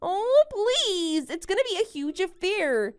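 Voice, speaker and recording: A woman's voice: very high-pitched, very animated, measured pace, soft background music, heavily acted. A woman playing a smug, boastful young bride in a melodramatic story, taunting and condescending as she exclaims. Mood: bragging. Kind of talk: melodramatic animated-story voice acting.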